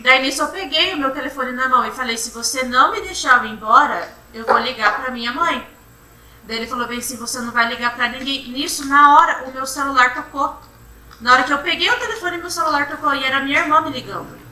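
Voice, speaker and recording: A young woman giving courtroom testimony, retelling events in a halting, repetitive way. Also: high voice, pushed and bright. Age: young adult. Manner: halting, repetitive retelling, often restarting with "then". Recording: roomy courtroom from far off, faint hum.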